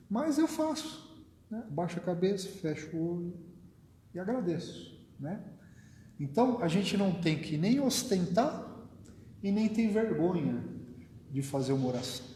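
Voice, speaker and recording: A man's voice: high voice, very animated, moderate pace, warm tone. A man giving an informal spiritist talk, speaking conversationally and often ending phrases with a questioning tag. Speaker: spiritist study group speaker. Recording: echoey hall with faint noise.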